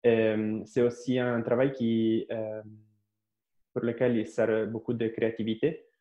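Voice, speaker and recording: A man's voice: lowish voice, level tone, measured pace, mellow. Italian man, hesitant, echoey stream audio. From Italy. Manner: hesitant, many fillers and restarts. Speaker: astrophysicist guest. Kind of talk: interview answers. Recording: echoey, dull lo-fi live stream.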